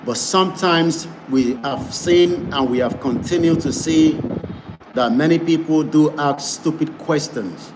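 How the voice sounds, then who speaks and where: A man's voice: fairly high pitch, measured pace. Male web broadcaster, emphatic campaigning delivery, noisy recording. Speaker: online broadcaster. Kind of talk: advocacy broadcast. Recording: noisy background.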